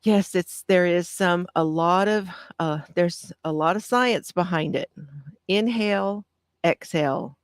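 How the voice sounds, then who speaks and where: A woman hosting a casual live stream, with a soft, calming voice, reading out notes on breathing and answering viewer comments. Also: fairly low pitch, clear, resonant tone, no echo. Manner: gentle, reads aloud with pauses and answers viewer comments. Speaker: craft channel host.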